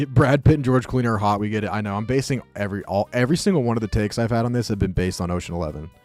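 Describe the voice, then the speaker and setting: A man's voice: lowish voice, fast, a little mellow, soft background music. A man streaming live, chatting casually with viewers, joking and rambling as he reacts to the chat.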